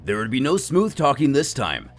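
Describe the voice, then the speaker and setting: A man telling an animated adventure story in scripted, dramatic narration. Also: medium pitch, moderate pace, faint music behind.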